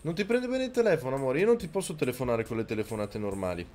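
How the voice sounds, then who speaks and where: A man streaming a video game live, talking close to his microphone, yelling and swearing at the game and thanking viewers. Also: medium pitch, expressive, racing, soft background music. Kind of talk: live gameplay commentary. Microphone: microphone very close to the mouth.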